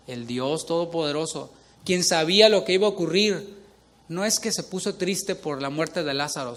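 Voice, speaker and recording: A man's voice: fairly high pitch, a bit bright. A middle-aged male pastor preaching a sermon, asking the congregation questions as he reads scripture.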